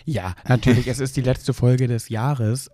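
A man's voice: mid-range voice, fairly even intonation, measured pace, dark tone, no echo, studio quality. A man with a German accent co-hosting a podcast, chatting casually in a cheeky, teasing, mock-dramatic way. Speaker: podcast co-host. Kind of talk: casual chat.

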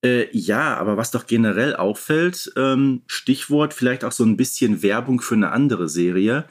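A man's voice: mid-range voice, animated, normal speed. A man in a casual, informed podcast discussion, explaining things with emphasis. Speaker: podcast co-host.

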